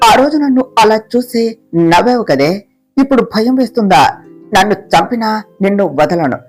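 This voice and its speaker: A woman voicing the vengeful ghost of a murdered young woman, speaking in a lowered, menacing, taunting voice. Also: lively intonation, normal speed, breathy edge, soft background music.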